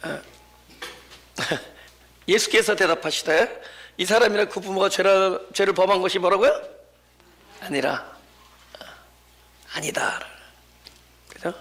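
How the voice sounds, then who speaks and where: A male pastor preaching a sermon, acting out the questions and replies he quotes and building to emphatic shouted refrains before dropping back low. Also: takes it slowly, pauses often. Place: church sanctuary.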